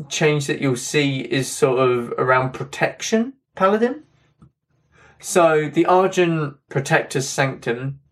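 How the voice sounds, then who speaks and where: A man with a slightly hoarse, drying voice, chatting casually through game patch notes in a rambling way with many fillers. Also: mid-range voice. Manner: rambling, repeats "that kind of thing", fillers. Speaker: game content creator.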